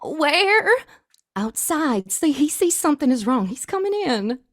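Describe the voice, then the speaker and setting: Woman voicing an anxious mother, higher pitch, hurried, old radio play. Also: big pitch swings. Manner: breathless, fretful hurry.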